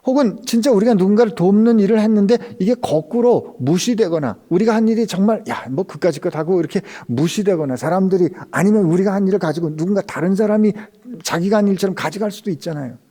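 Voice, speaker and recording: Korean pastor preaching, loud then whispered. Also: male voice, sits high, fast talker, few pauses. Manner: dramatic swings from loud to hushed whispers; acts out quoted speech in intimate tones. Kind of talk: sermon.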